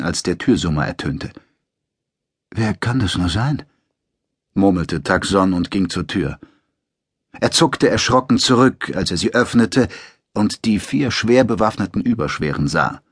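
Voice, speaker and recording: Brief: male narrator, husky voice, dry close recording, animated reading. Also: fairly low pitch, no echo. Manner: expressive storytelling. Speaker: audiobook narrator. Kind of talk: scripted audiobook narration.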